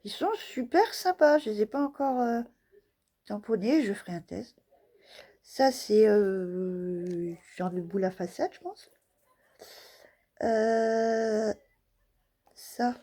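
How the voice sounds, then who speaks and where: A woman's voice: on the high side, slow pace, long pauses, mellow. A woman casually showing craft stamps in a vlog, talking hesitantly with many fillers and laughing at her own guesses. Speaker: scrapbooking vlogger.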